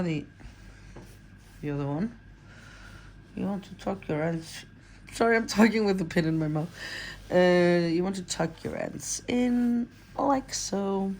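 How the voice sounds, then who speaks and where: A woman's voice: lowish voice, darkish tone, slight background noise. A woman in her forties with an Icelandic accent, giving a casual, chatty how-to tutorial and rambling with fillers and self-corrections. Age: 40s. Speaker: crochet pattern designer.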